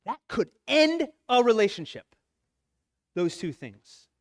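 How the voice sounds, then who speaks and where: A man preaching a heartfelt sermon in a church, earnest and open about his emotions, his voice catching at moments. His voice sits high for a man and swings widely in pitch as he presses his points. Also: very animated, slow pace. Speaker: lay preacher at a men's church talk. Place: church sanctuary.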